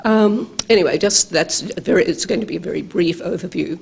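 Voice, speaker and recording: An older Australian woman, a law professor with a croaky voice from travel, giving a halting conference lecture at a lectern microphone in a large hall. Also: on the low side, darkish tone. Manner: halting, many ums and uhs, measured.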